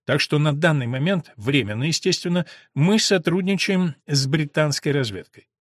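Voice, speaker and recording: A man's voice: on the high side, animated, normal speed, no echo, studio quality. A man voicing an earnest young male recruiter who talks persuasively.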